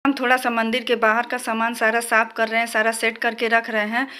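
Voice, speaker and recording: A woman's voice: on the high side, completely flat delivery, fairly quick, over loud music. A woman from India, chatting with viewers in a casual home cooking and cleaning vlog from her kitchen. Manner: chatty, addresses viewers directly, frequent restarts. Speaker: vlogger.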